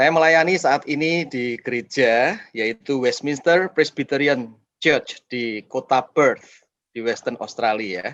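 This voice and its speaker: Speaking very slowly with a Javanese accent, a man uses a fairly high pitch and ordinary pitch variation. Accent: Javanese accent, unchanged. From Central Java, Indonesia (Magelang). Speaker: pastor. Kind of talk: lecture.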